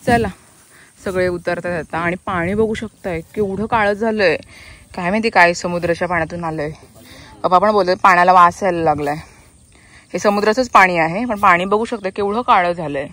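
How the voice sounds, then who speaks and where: A young woman vlogging outdoors on a village farm, chatty and quick to laugh as she calls out to her family. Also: on the low side, fairly bright tone. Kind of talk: casual vlog narration.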